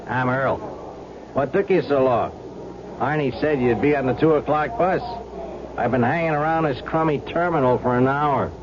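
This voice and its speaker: An actor playing a resentful, talkative small-time hood in an old radio crime drama, slangy and grumbling. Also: male voice, medium pitch, normal speed, lightly acted. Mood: needling, impatient. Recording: muffled, noisy old radio drama recording.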